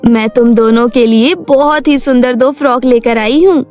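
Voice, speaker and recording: A loving fairy mother speaks gently and firmly to her daughters in a cartoon story, as a woman voices her. Her voice sits high and kind, with soft music under it. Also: normal speed, lightly acted. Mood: tender.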